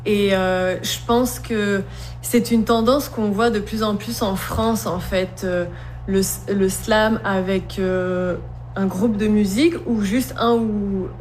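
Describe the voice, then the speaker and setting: A woman, a slam poet and singer, answering interview questions in an earnest, thoughtful way with many pauses. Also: mid-range voice, fairly even intonation, darkish tone, a little hiss or hum.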